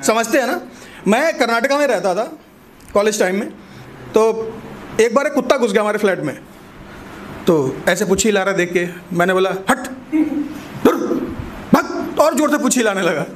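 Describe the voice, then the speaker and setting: A man with a very high voice works the room in a stand-up set, talking casually and quizzing the crowd. Clear background noise sits under the live stage recording. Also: expressive, brisk, long pauses. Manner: chatty, teasing the audience with questions. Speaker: stand-up comedian.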